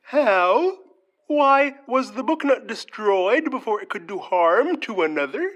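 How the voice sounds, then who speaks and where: Woman playing a slow, smug, scheming royal fixer. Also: a little high, expressive, muffled recording. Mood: self-justifying, smooth. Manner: polished, self-satisfied, formal. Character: smooth, scheming fixer who cleans up royal scandals. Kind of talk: audio fiction comedy acting.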